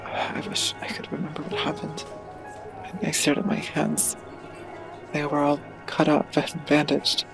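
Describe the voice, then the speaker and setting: A woman playing a withdrawn, troubled teenager narrating an audio drama, hesitant and confiding in a creaky voice. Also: sits low, poor audio.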